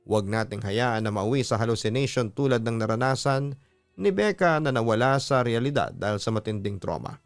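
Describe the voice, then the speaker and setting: A man's voice: mid-range voice, animated, brisk, dry recording. Filipino male storyteller, dry close sound. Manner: earnest, exhorting. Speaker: storytelling show host and narrator. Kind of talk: reading a listener's letter and giving earnest advice. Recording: music playing behind a dry voice. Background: background music.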